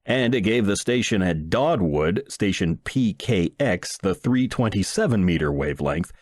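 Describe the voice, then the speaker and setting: A man narrates a humorous short story in a low voice with very animated intonation. He reads as a wry first-person storyteller. The sound is dry, with no room to it. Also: normal speed, no echo. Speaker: audiobook reader.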